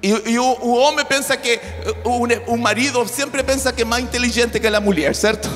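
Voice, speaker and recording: A male pastor with a Brazilian Portuguese accent, preaching in Spanish as a second language, with shouted declarations and joking storytelling. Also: very high-pitched, fairly even intonation, normal speed. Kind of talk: charismatic preaching. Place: church hall. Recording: reverberant church hall with music.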